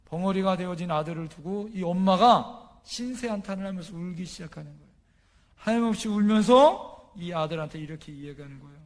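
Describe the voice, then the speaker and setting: A male pastor preaching a story-driven sermon, often asking the congregation questions and swinging from loud emphasis to hushed lines. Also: sits high, brisk.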